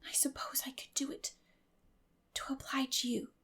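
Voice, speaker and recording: Lady doing an imaginative little girl for an audiobook, higher voice, super earnest n dramatic. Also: level tone, unhurried, fairly bright tone, whispered. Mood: earnest, pensive. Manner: wordy, earnest, theatrical.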